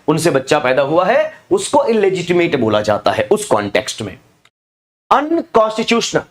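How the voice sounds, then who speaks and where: Male tutor, animated and fairly high voice, reads words slowly and spells them out. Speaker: English teacher. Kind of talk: exam-prep lesson.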